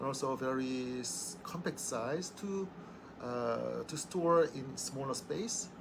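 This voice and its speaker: A man speaks with a Korean accent and lively intonation. Noticeable background noise is present. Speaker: business owner. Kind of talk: interview. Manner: halting.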